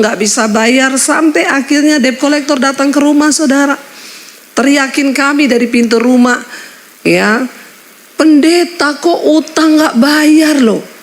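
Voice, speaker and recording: A middle-aged woman pastor preaching a sermon in church, telling stories with sudden high exclamations.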